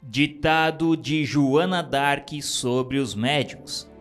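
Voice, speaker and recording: A man reading a script of spiritual messages in a solemn, measured, preacherly manner. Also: fairly high pitch. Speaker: narrator. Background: music.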